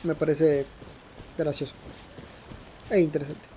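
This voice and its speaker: A man's voice: on the high side, flat delivery, normal speed, warm tone, a little hiss or hum. A man giving casual commentary as the host of a gaming video. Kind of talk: casual let's play commentary. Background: game music.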